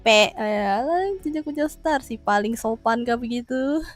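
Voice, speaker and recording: A woman's voice: a little high, unhurried. A woman live streamer chatting casually with her viewers, playful and teasing, laughing often and throwing in little roars. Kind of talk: casual livestream chat reading viewer comments.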